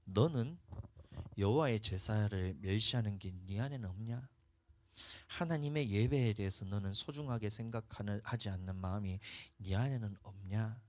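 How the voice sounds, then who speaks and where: A man's voice: fairly low pitch, normal speed, darkish tone, pitched below the performer's own voice, natural voice. A man voicing God as a stern, probing questioner within a sermon.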